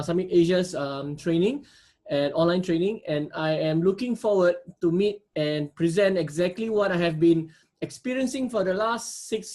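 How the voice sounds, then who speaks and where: A man's voice: high-pitched, darkish tone. A man from Singapore giving a workshop presentation, speaking with frequent hesitations and restarts. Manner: hesitant, many fillers and restarts. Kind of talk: seminar presentation.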